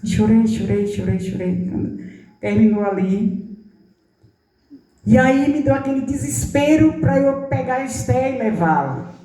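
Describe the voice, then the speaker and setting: Uma apóstola idosa, com sotaque nordestino do Brasil, prega um testemunho terno e emocionado. Sua voz é muito grave e suave, e soa distante, captada do fundo de uma igreja com eco. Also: female voice, fairly high pitch, lively intonation, a little slow. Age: 70s. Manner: tender storytelling, acting out quoted dialogue, voice dropping soft. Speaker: apostle preaching. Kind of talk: emotional testimony in a sermon. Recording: roomy hall, voice from a distance.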